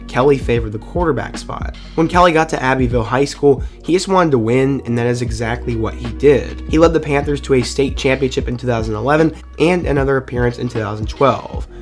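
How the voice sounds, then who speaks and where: A man of middle pitch narrates a scripted college football story in a relaxed, conversational fan style. He is getting over the flu. Quiet music plays faintly underneath. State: recovering from the flu. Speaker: YouTube sports video host.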